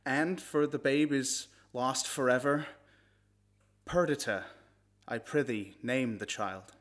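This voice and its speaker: A man playing a grieving, reluctant nobleman in a slow, solemn classical stage monologue. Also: mid-range voice, a bit bright. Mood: sorrowful, haunted. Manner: slow, solemn, formal verse delivery. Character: grieving, reluctant nobleman in Shakespearean tragedy, tender and haunted.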